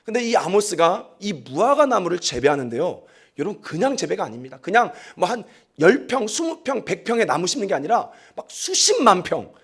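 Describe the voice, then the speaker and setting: A man preaching a sermon in a high, very lively voice that swings widely as he tells stories. He acts out the people in them with plenty of drama and turns often to the congregation, asking them to repeat after him. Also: fairly quick, slightly rough. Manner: animated storytelling, acts out quoted voices; talks straight to the congregation, asks them to repeat. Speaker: pastor.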